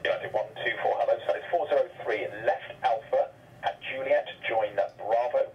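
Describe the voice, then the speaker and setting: A man's voice: mid-range voice, moderate pace. A man working as an air traffic controller, giving clipped procedural instructions in air traffic control radio style. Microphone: aviation radio. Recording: noisy, muffled distant radio transmission.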